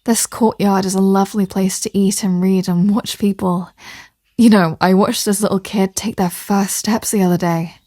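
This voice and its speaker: Woman acting as confident mafia boss girlfriend, intimate, teasing, soft-spoken, mid-pitched female voice, dry recording, ASMR roleplay. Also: steady tone, normal speed, no echo, lightly acted. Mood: playful, teasing.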